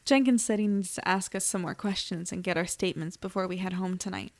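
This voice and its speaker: A woman's voice: fairly low pitch, quick pace, a little mellow, dry recording, natural voice. A woman playing a plucky young investigator in an audio drama, casual and wry as she speaks. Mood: wry, shaken. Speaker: lead character and narrator. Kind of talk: audio drama acting, conversational narration.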